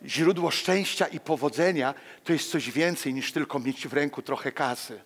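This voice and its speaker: Older male pastor, animated storyteller in the pulpit, a bit high-voiced, headset mic, church reverb. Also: normal speed, husky. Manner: animated, walks among the pews, acts out quotes. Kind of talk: lively sermon with personal stories. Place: church hall.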